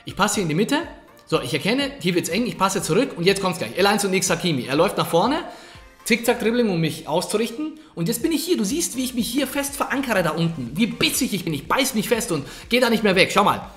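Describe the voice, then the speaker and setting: A man giving energetic, colloquial coaching commentary over gameplay, talking straight to the viewer. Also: high-pitched, quick pace. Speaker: gaming coach. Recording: echoey room. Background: faint background music.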